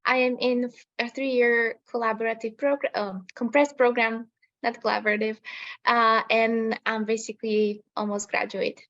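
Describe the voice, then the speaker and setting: A nursing student from Slovakia, speaking carefully and a little haltingly on a webinar panel. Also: female voice, a little high, level tone, a bit bright. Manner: careful, slightly halting speech. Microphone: video call. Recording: dull video-call audio.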